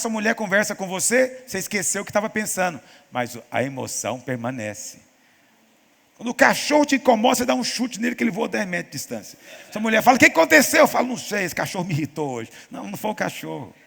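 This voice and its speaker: A man preaching as a pastor in a church teaching session, telling stories and acting out quoted voices with lively emphasis. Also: high-pitched, fast, gravelly, in a large hall. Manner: animated storytelling, acts out quoted voices.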